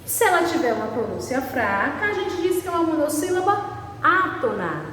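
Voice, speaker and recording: In this recorded online class, a woman teaches slowly with a high, fairly bright voice whose pitch swings widely. She spells out examples in a drawn-out way and keeps asking "certo?", captured from a distance in an echoey room with faint background noise.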